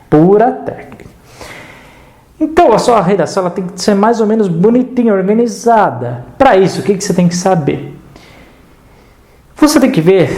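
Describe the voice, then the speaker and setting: A man teaching an online writing lesson in Brazilian Portuguese, lively and casual, answering the students' doubts he voices himself. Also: on the high side, echoey room. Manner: addresses the viewer casually, checks in with "tá?".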